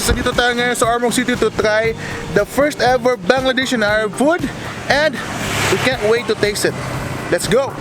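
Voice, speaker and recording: Male food vlogger, upbeat, speaks straight to camera, loud music behind. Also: very high-pitched, low-quality recording. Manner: upbeat, addresses viewers. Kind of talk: vlog presenting.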